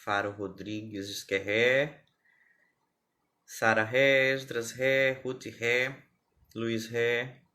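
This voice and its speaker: A man's voice: mid-range voice, steady tone, takes it slowly, pauses often, pushed and bright. Male music teacher, live stream lesson, patient and step by step, quizzes the chat. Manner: patient, explains step by step, asks viewers questions.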